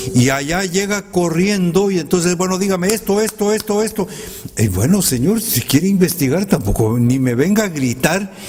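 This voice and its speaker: Against noticeable background noise, a man speaks at a moderate pace with a high pitch and lively intonation. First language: K'iche' Maya (speaking Spanish). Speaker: poet. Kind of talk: commented poetry reading. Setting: library hall with audience.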